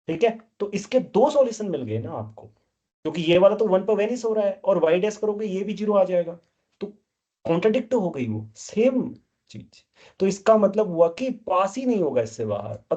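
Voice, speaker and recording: The audio is dull, and the man's voice sits high with a darkish tone. He is lecturing a math class, scolding students and repeatedly quizzing them along the way.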